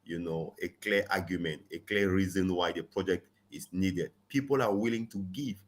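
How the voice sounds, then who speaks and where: A man as guest in a conversational interview, earnest, often saying "you know", rising in pitch when he stresses a point. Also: moderate pace.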